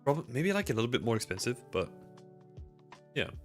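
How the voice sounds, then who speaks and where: A man's voice: medium pitch, big pitch swings, quick pace, soft background music. A man from Belgium in his thirties, casually chatting with livestream viewers, rambling with lots of fillers. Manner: rambling, filler-heavy, answers chat questions. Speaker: livestream host. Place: small home room indoors. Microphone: desk mic with headphones.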